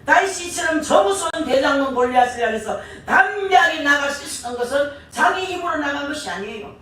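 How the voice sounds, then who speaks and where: A woman preacher delivering an impassioned sermon, rising to shouts on key words, recorded from a distance in a church sanctuary. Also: high-pitched, animated, fast talker. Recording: echoey church hall, far from mic.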